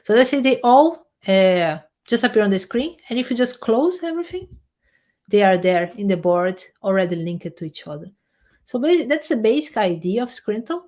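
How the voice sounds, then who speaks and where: A woman researcher and software developer, a guest in a casual interview, talking animatedly as she walks through a software demo on screen. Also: mid-range voice, moderate pace. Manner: animated, explains while clicking through a screen demo, many restarts.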